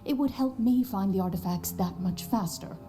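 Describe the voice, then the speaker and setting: An actress playing an earnest, apologetic professor and secret agent in an animated drama. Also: female voice, medium pitch, normal speed, close to an everyday voice. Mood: explaining. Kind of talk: animated audio drama acting. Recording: music behind the voice.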